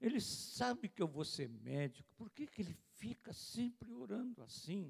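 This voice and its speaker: A man's animated tone, with very wide pitch swings at a fairly slow pace. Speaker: preacher. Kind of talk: sermon. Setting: church with congregation.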